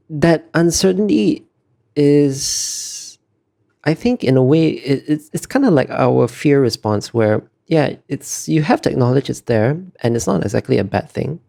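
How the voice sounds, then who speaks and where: A man's voice: mid-range voice, vocal fry, warm tone. A man giving casual, thoughtful interview answers as an artist, often hesitating as he searches for the right words.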